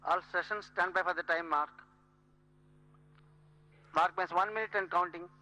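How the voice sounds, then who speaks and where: A man's voice: high-pitched, fairly even intonation, normal speed, bright, forceful tone. A man giving clipped, formal, terse radio updates as a launch control announcer. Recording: hall-like reverberant public address.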